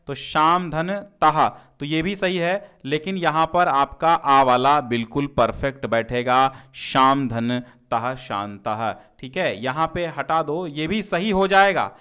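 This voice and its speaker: Smooth-voiced male tutor explaining exam answers. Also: on the high side, fairly bright tone. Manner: chants memorized word forms in a sing-song; checks in often with "theek hai". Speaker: teacher.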